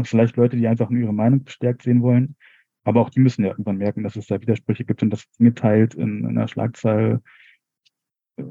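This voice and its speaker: A man's voice: lowish voice, creaky, warm tone, slightly rough, no echo, dull audio. A man co-hosting a podcast discussion, talking hesitantly and hedging with many fillers. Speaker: podcast co-host.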